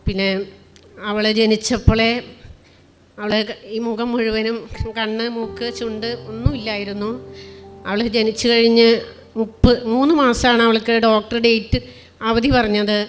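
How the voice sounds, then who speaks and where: Earnest middle-aged woman giving testimony, even tone. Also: on the high side. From Kerala, India. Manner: plain, earnest storytelling with many pauses and restarts. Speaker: testimony speaker. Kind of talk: spoken personal testimony.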